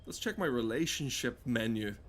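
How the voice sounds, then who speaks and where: A man giving rambling, sweary comedic game commentary in a halting, deadpan way. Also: medium pitch. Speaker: gameplay streamer.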